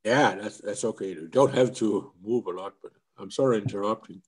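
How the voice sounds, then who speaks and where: A man's voice: on the low side, normal speed. A man hosting a webinar, politely and apologetically interrupting the speaker. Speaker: webinar host.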